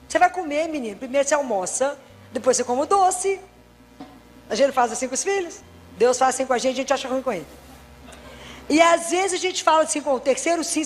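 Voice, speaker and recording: A middle-aged woman from Brazil, a doctor giving a faith talk full of personal stories, chatting with her listeners and acting out the dialogue. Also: high voice. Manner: conversational, storytelling, acts out dialogue, humorous asides. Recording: reverberant hall.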